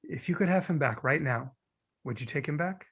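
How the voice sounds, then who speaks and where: Woman playing an awkward, husky, consoling man. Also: deep voice, lively intonation, moderate pace, exaggerated voice. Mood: gently consoling. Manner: hesitant, reassuring. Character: awkward, gently consoling man in his thirties, romantic comedy. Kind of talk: virtual table read of a film script.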